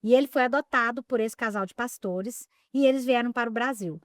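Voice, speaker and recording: Woman pastor, podcast chat, higher-pitched, dry close sound. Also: fairly quick, dry recording. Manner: warm affirming interjections, reflective storytelling. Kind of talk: casual chat.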